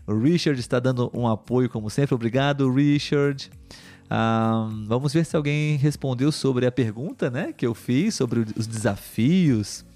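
A man's voice: medium pitch, a little mellow. Patient male language host. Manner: patient, teacherly, many "ah" and "né" tags. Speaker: host of a live stream for Portuguese learners. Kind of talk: friendly live-stream wrap-up, reading viewer comments. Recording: faint music in the background.

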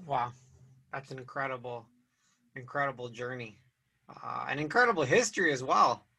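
A man's voice: mid-range voice, moderate pace, gravelly, bright, forceful tone, breathy edge. A young man hosting a casual interview, loose and chatty with lots of "like". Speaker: podcast host. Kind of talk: casual conversation.

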